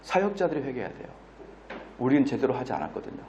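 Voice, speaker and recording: A middle-aged male pastor giving a lecture-style sermon at a conference. He is animated and scolding, and acts out the people he quotes. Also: medium pitch, fast talker, slight background noise. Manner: humorous asides with laughter. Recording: roomy conference hall.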